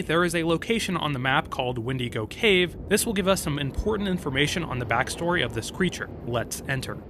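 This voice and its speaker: A man reading scripted narration about video game lore, with deliberate, dramatic emphasis. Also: a little high, background noise.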